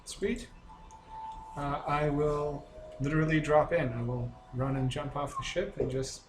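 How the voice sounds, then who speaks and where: A man's voice: a little high, steady tone, a little slow. A man playing a tabletop game, chatting casually and speaking for his character. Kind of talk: casual chat and in-character play. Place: indoor room with other players. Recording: echoey room with clear background noise.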